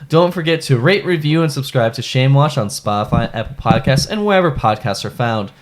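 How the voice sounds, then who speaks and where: A man's voice: medium pitch, expressive, brisk. A man co-hosting a comedy movie podcast, chatting casually and reading the show's outro with frequent laughs. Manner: laughs often, reads outro credits. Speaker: podcast co-host.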